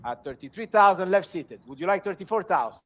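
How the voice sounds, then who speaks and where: A man working as an auctioneer, calling bids in a repetitive, measured way and formally presenting each lot. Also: high-pitched, lively intonation, a bit bright. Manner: auctioneer delivery, repetitive, measured bid calls.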